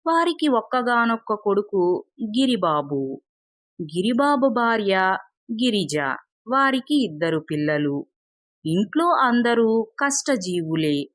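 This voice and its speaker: Slow, measured woman storyteller. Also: medium pitch, very animated, no echo. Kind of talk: scripted narration of a moral tale.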